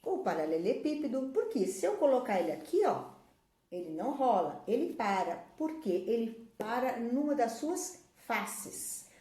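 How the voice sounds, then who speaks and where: A woman teaches children in a patient, explanatory way, often pointing things out. Her voice is mellow and soft-edged. The sound is roomy and echoey. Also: on the high side, big pitch swings, measured pace. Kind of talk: classroom video lesson. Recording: echoey room.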